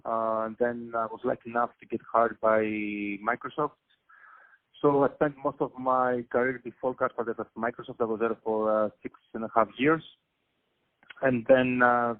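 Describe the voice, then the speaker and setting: A man with a Greek accent who explains things slowly, pausing often on "uh". He sounds dry and tinny, as if he is on a phone call. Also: on the low side, no echo. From Greece. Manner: hesitant, many "uh" fillers, explanatory. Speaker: guest, tech company CEO. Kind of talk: interview answers.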